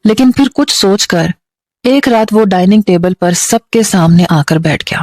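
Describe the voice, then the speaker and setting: A woman storyteller with a Pakistani Urdu accent reading a dramatic story in a steady, emotive way. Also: mid-range voice, dry recording.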